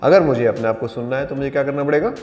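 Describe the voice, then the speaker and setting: A man teaching an acting class, explaining exercises in a calm, deliberate way and mixing in English terms. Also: mid-range voice, dull audio. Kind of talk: spoken acting lesson. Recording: echoey hall with faint music.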